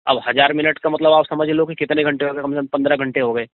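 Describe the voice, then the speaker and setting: A man's voice: on the high side, fairly even intonation, fast talker. A man on a recorded phone call, explaining work grievances in a matter-of-fact, explanatory way. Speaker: election field worker being interviewed. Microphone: phone line.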